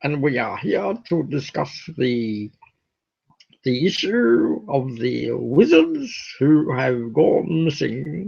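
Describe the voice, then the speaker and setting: Very slowly, a man talks. He uses a put-on character voice at medium pitch. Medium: solo performance.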